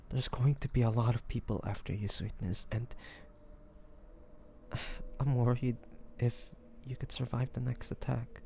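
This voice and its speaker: A man playing a devoted, anguished young man in an intimate fantasy romance audio drama, speaking haltingly and emotionally with pauses and sighs. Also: medium pitch, vocal fry, mellow, a little hiss or hum. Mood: worried, tender.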